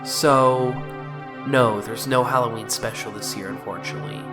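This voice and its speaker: A man's voice: medium pitch, fairly even intonation, moderate pace, over music. A man giving casual, informal video game commentary as a review host, mildly sweary.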